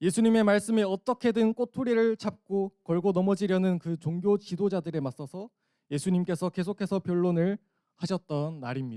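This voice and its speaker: In a Daegu accent, a man speaks with high pitch, lively intonation and a dark, mellow tone. The pace is moderate, and the sound is dry and close with no echo. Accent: Daegu dialect, still noticeable. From South Korea, Daegu. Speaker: youth ministry preacher. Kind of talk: sermon. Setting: church service with congregation.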